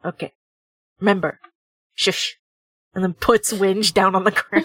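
At medium pitch, a female-sounding voice performs a put-on character voice. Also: moderate pace. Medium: actual play. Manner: manic, cackling.

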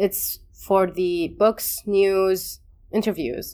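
A woman speaks with an Arabic accent at a medium pitch, her intonation fairly even. The recording is very clean, with a silent background. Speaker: linguistics student, Arabic speaker. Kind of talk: interview. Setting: university department.

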